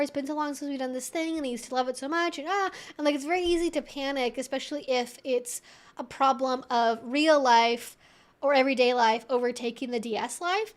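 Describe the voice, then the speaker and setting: A woman hosting a live Q&A, talking casually and explaining things in a conversational, animated way, often acting out imagined thoughts. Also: sits high. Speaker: host of a weekly live Q&A stream. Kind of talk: casual educational chat, answering viewers.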